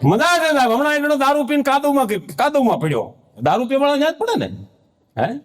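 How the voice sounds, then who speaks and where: Man, animated stand-up comic, high voice that swings widely. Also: brisk. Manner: animated, addresses audience as "saheb". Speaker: stand-up comedian. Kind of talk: stand-up joke telling.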